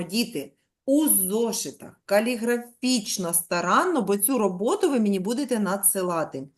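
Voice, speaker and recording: Lively-voiced woman teaching small children. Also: on the high side. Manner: drawn-out, slow dictation, sounding out letters and syllables; patient prompting questions to pupils. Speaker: primary school teacher. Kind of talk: online lesson for young children.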